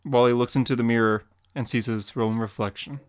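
A man's voice: mid-range voice, fairly even intonation, a little fast, dry recording. Matter-of-fact male podcast co-host narrating panel action, dry close sound. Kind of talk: reading out comic panel descriptions.

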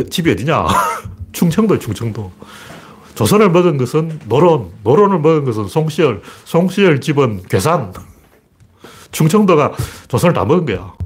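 A man with a slightly husky, mid-pitched voice holds forth in a loose political monologue. He talks bluntly and emphatically, repeats phrases for effect, and his pitch rises and falls in lively swings. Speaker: political commentator.

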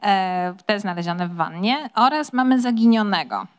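A woman talking about the novel she translated, pausing often as she thinks. She speaks at an average pitch with plain, unhurried delivery. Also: animated. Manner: thoughtful, with frequent hesitations. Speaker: book translator. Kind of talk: reading aloud and discussing a novel.

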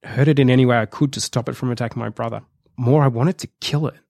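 A man's voice: mid-range voice, fairly even intonation, quick pace, vocal fry, a little mellow, dry recording, close to an everyday voice. A man voicing an earnest young male marine biologist who talks urgently as he thinks aloud. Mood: fierce. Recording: dry close sound.

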